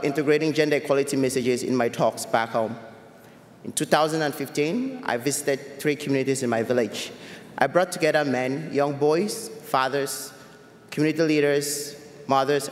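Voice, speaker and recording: Earnest young man in an echoey hall. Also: medium pitch. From Cameroon. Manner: earnest, measured, with small restarts. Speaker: youth advocate speaker. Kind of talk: prepared personal talk. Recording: echoey hall with long reverb.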